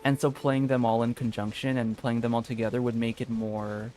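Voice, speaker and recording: A man's voice: mid-range voice, level tone, brisk, a little mellow, slight background noise, low-quality recording. A man doing casual gameplay commentary as a streamer, rambling and thinking aloud, with game music behind him.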